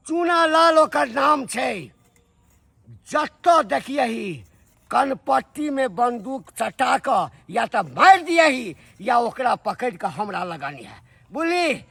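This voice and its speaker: Guy doing a raspy old dad with a maithili accent, high voice, slow and boastful, barks threats. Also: fairly bright tone, dry recording, heavily acted. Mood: vengeful. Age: older. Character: proud angry old rich father.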